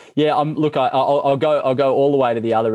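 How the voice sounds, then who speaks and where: In an Australian accent, a man talks with ordinary pitch variation over a quiet background. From Sydney, Australia. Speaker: venture capital investor. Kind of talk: interview. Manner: halting, many repeated words.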